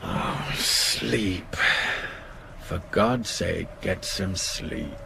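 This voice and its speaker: An actor playing an exasperated, dismissive husband in a radio horror play, irritable and sardonic. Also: male voice, low-pitched, drawn-out words, gravelly, heavily acted. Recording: noisy 1980s radio drama recording.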